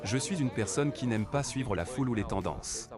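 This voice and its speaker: A man reading translated interview answers as a voice-over in a calm, plain way. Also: medium pitch, normal speed, over music.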